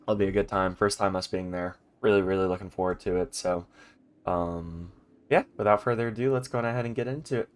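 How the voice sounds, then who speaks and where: With a stuffy, congested voice, a man hosts a game playthrough from home, chatting and rambling with many ums and restarts. He speaks a little fast in a deep, steady tone.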